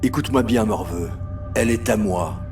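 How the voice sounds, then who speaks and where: A man acts out a possessive bully in a dubbed scene, speaking low and with contempt. He is crude, domineering and openly threatening, with music in the background. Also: moderate pace, a little mellow, lightly acted. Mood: menacing.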